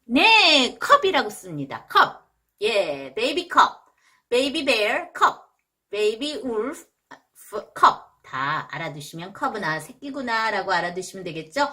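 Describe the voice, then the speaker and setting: A Korean woman teaching English vocabulary in a casual video lesson, jumping high to imitate animal sounds. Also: big pitch swings, unhurried, sharp tone.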